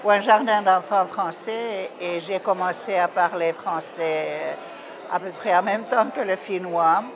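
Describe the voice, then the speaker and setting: A woman reminiscing in a slow, measured, wistful way in a large hall. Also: fairly low pitch, crowd noise. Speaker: alumna. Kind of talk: reflective reminiscence.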